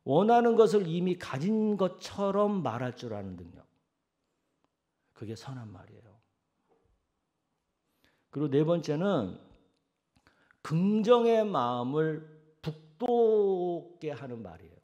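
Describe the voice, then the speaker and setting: A man preaches a sermon in a fairly high voice. His pitch swings widely as he throws questions at the congregation. Between these he drops into soft, low tones to act out everyday sayings. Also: very animated, a little slow, long pauses. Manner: asks the congregation direct questions. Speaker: senior pastor.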